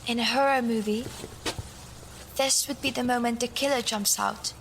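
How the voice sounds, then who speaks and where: A woman's voice: a little high, steady tone, normal speed, noisy background, natural voice. An actress playing a dry, teasing woman snooping around in an audio drama.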